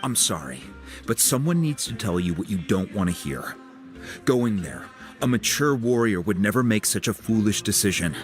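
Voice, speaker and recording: A seasoned tribal chief from a video game, with a low-pitched voice. He speaks frankly and with measured, fatherly care, cautious yet supportive, over soft music. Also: very animated. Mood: grave, cautioning.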